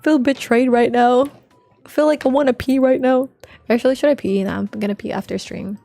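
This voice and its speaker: A woman livestreamer with a soft, quiet voice, chatting informally and playfully with viewers and swearing now and then. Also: steady tone, fairly quick, gravelly, dry recording. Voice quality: soft, low-volume voice, unlike their usual loud one. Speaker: live streamer. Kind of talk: casual livestream chat with viewers. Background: faint music.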